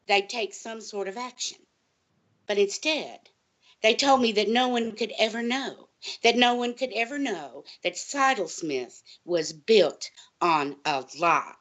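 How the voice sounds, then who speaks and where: An actress playing a distraught, paranoid college librarian in an audio drama, earnest and insistent, halting and pleading in her delivery. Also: a little high, a bit bright. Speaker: guest on a college radio show.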